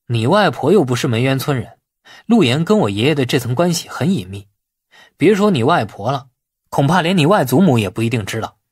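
A man's voice: medium pitch, big pitch swings, brisk, husky, no room sound, studio quality. A man voicing a shrewd, easygoing younger businessman who explains things colloquially in audiobook dialogue. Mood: matter-of-fact.

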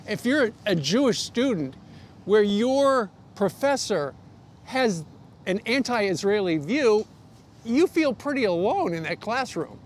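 An American man in his sixties hosting a live broadcast interview, talking in a halting, conversational way. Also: sits high, very animated. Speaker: TV news host interviewing guests. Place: outdoor rooftop terrace in a city. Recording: outdoor live broadcast, clear background noise.

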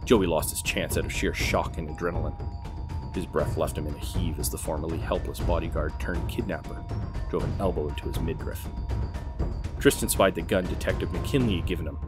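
A man narrating an audio drama in a dramatic scripted storytelling style. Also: deep voice.

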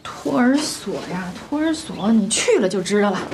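A woman's voice: medium pitch, animated, normal speed, noisy background, natural voice. An actress playing a young mother who pleads with her own mother and argues back in a TV drama scene. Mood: coaxing. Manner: pleading, defensive. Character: weary young mother, defensive with her mother, gentle with child. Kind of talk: TV drama acting.

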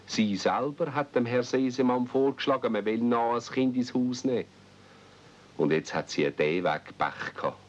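A man with a Swiss German accent narrating a children's radio play as a storyteller. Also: normal speed. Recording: muffled, noisy old cassette with rumble.

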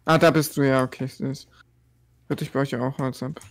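A man playing Minecraft as a teammate, chatting casually and calmly asking about directions and tasks. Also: medium pitch, brisk. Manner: calm, practical, asks where the other player is. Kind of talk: casual gaming chat.

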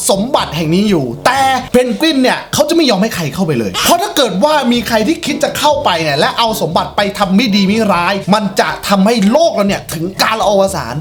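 A man hosting an improvised storytelling game among friends, animated and quick to exclaim and laugh. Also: high-pitched.

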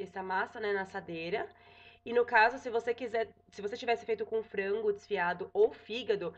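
A young woman with a Brazilian accent talks viewers through a recipe in a friendly, chatty way, often pausing to check they are following. Her voice sits a little high. The recording is somewhat dull and lo-fi, like a home setup. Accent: Brazilian Portuguese. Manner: chatty, frequent "tá?" check-ins and self-corrections. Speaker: cooking vlogger. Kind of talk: casual cooking tutorial. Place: home kitchen.

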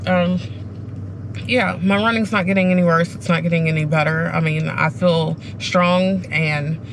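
A woman's voice: on the low side, steady tone, normal speed. A middle-aged woman vlogging casually to a dashboard camera in a car, talking in a candid, rambling, self-reflective way. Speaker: running vlogger. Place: sitting inside a parked car. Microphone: camera mounted on the dashboard. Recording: clear car and background noise.

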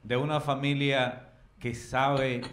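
A man's voice: medium pitch, little pitch movement, takes it slowly, crowd noise. A man with a Dominican accent talking emphatically on a political panel, repeating phrases for emphasis.

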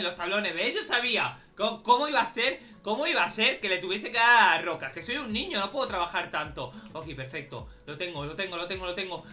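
A man giving excitable let's-play commentary, often shouting and calling out in a frantic way. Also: high voice. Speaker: Roblox gaming YouTuber.

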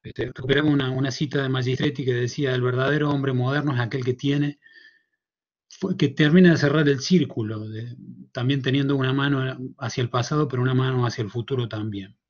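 Cordobés man in his fifties, professor giving a halting conference talk from home on a headset, muffled call audio. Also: medium pitch, steady tone. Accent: Cordobés Argentine Spanish. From Córdoba, Argentina. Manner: thoughtful, hesitant, many fillers and restarts. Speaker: university professor presenting a paper. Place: small room at home.

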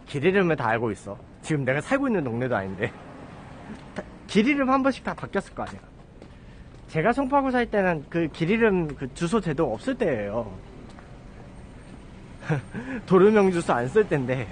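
Fairly high-pitched and very animated, a male streamer in his thirties rambles to viewers at a moderate pace, leaving long pauses. He's walking outside on a residential street with his phone held out at arm's length, tossing in self-deprecating asides over slight background noise.

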